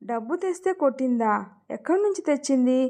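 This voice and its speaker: A woman voicing a poor, anxious middle-aged father who asks halting, worried questions. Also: sits high, expressive, a little mellow.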